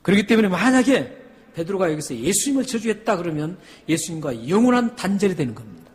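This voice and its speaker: A male pastor delivers a sermon in a sanctuary, his slightly high voice climbing to loud, emphatic peaks. He keeps asking the congregation questions. A long reverb from the hall hangs behind every phrase. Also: big pitch swings, quick pace. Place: church sanctuary.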